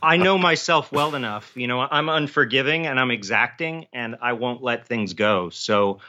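A man's voice: mid-range voice, moderate pace, pushed and bright, muffled recording. A man talking casually as an interview guest, frank and assertive in how he puts things. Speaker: author and podcast guest.

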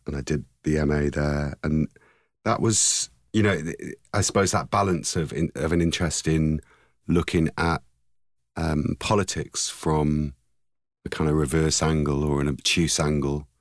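A man in his forties with a very deep, low voice talks through his artistic past in an interview. He is reflective and searching, pausing and restarting as he finds his words. The sound is dry and close. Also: fairly even intonation, no echo. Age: 40s. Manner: thoughtful, searching, with pauses and restarts. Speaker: artist guest.

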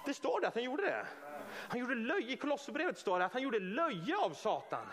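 A man preaching a lively, informal sermon in a church hall, joking and acting out scenes. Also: extremely high pitch.

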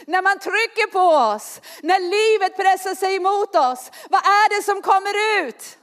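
A middle-aged woman with a very high voice preaches a passionate sermon, shifting between soft, slow passages and loud, lifted ones, and adds a humorous aside.

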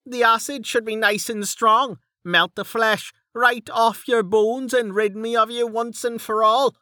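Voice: medium pitch, big pitch swings, slow, a bit bright, no room sound, clean studio sound, voice pushed up. A narrator voicing Dell, a scornful, exasperated male guard who insults his partner.

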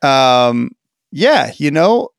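A man co-hosting a casual gaming podcast, talking in an animated, sarcastic way. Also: mid-range voice, very slow, vocal fry, clear, resonant tone, no echo, clean studio sound. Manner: animated, sarcastic, swings loud and quiet. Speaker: podcast co-host.

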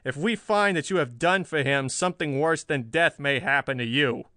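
Gruff male newspaper chief, acted by a narrator: menacing, impatient, sharp bark, raised pitch, pulp audiobook. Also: animated, moderate pace, dry recording, clean studio sound. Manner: barking, threatening. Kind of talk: dramatized pulp story reading.

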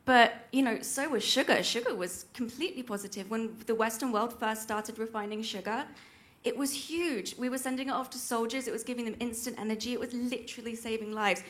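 A woman's voice: on the high side, fairly quick, a bit bright. Earnest young woman speaking up. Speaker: audience member.

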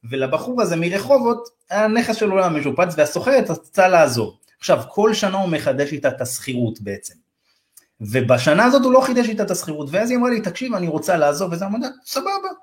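Speaking with a high-pitched voice, this Ethiopian-Israeli real estate advisor spins a loose, slangy tale during a podcast interview. He's animated, addresses the listener as "bro," and performs the dialogue in raised voices.

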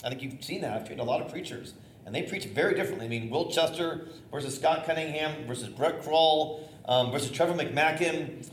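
A middle-aged man, a theater-trained bishop with a loud voice, teaching preachers in a conversational, energetic way with fillers and restarts. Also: a little high, a little fast. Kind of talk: informal teaching talk on preaching. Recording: echoey room, faint noise.

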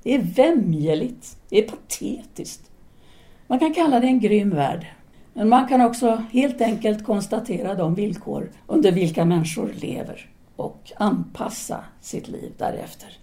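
A woman's voice: medium pitch, animated, mellow, close to an everyday voice. A woman acting in an audio drama as a self-assured female philosophy teacher in 1930s Paris, speaking in an articulate, formal, didactic way. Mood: lecturing, firm.

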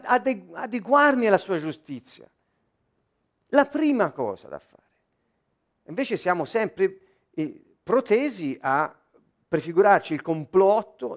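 Male preacher delivering a sermon, high and very animated delivery, emphatic with frequent restarts. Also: a little slow.

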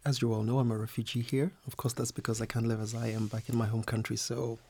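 A man's voice: mid-range voice, flat delivery, quick pace, mellow, husky. A man from Zambia, a podcast guest, introducing himself in a friendly way with frequent laughs. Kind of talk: casual chat.

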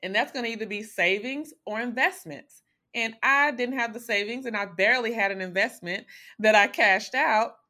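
A woman's voice: a little high, moderate pace, sharp tone. A young woman telling a candid, self-deprecating story about her own life in a conversational way.

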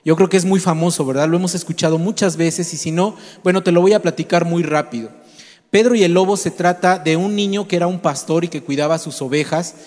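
Preacher with a high voice. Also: male voice, a little fast, a little mellow. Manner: storytelling, addresses listeners directly with rhetorical questions. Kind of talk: sermon. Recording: long hall reverb.

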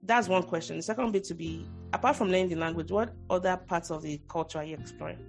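Over background music, a woman with a Nigerian accent hosts a podcast interview in a casual, chatty way. Her voice is fairly low and gravelly, her pace quick, and her long, rambling thoughts restart often.

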